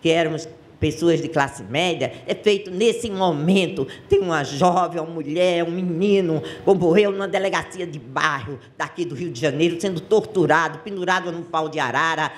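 A woman in her sixties with a Brazilian accent gives personal testimony at a public hearing. She speaks with passion and halts often to restart her sentences. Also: low voice. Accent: Brazilian Portuguese. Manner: impassioned, halting, with many restarts. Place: public auditorium.

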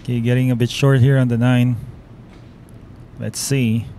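A man with a Filipino accent giving relaxed, admiring play-by-play commentary on a pool match. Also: mid-range voice, moderate pace. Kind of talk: live sports commentary. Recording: noisy live stream audio.

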